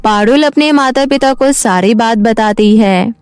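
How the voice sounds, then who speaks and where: Female cartoon story narrator, higher voice, dry close sound with soft music. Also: measured pace, smooth, dry recording.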